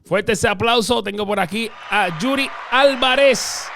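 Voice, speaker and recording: A man hosting an online Christian talk show, greeting viewers with energetic, emphatic plugs before turning to a relaxed interview. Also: high voice, unhurried, gravelly, noisy background. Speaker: host. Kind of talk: enthusiastic show host, then relaxed interview.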